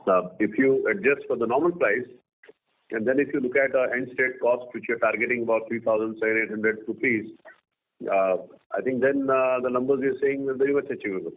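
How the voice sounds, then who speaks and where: A man with an Indian accent speaking as a company executive, answering questions on an earnings call in a halting way with pauses mid-sentence. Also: mid-range voice, fairly even intonation. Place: conference call line. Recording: noisy phone line with clicks.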